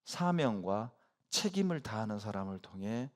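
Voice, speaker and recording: A middle-aged man preaching a sermon as pastor, telling stories with sudden loud bursts and hushed asides. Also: fairly low pitch, big pitch swings, moderate pace. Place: church sanctuary.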